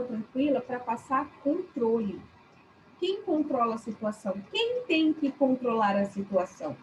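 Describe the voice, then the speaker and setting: A woman with a high voice and a Brazilian Portuguese accent teaches a class on customer service. She keeps it chatty, turns to her students often and acts out little scenes. Faint noise sits under the recording. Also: low-quality recording. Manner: chatty, addresses class as "gente", acts out examples.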